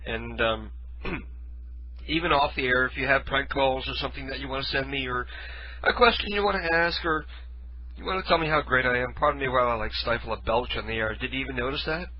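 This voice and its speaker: Medium-pitched and congested from a head cold, a man hosts an internet radio show from his living room, rambling loosely and joking at his own expense. He speaks into a studio mic with headphones, and the highs are cut off.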